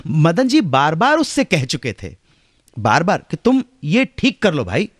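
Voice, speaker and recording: A man's voice: a little high, huge pitch swings, a little slow, dry recording, clean studio sound. Dramatic male radio storyteller. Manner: dramatic, swings from hushed to loud exclamations. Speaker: radio show host. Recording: radio broadcast with faint music underneath.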